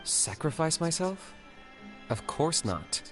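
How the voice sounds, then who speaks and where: A man voicing a stoic young tribal hunter who speaks in a measured, reserved, dry way, in a game. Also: on the high side, sing-song. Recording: game soundtrack playing behind. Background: game music.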